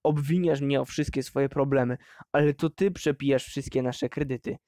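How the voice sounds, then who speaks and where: A man's voice: fairly even intonation, normal speed, mellow, no echo, studio quality, lightly acted. A man voicing a defiant young miner son. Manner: low, hissing, defiant. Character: defiant eighteen-year-old male miner son.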